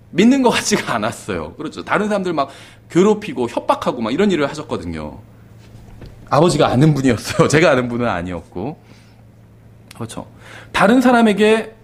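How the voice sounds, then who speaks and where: A male pastor preaching in a brisk, conversational way, with his voice swinging high and low. He keeps checking in with the congregation and lets phrases fade to a quiet low finish. His voice sits a bit higher than most men's. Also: breathy edge. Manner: conversational preaching, often asks the congregation "그렇죠?"; drops to a soft low voice at the ends of phrases. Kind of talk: sermon.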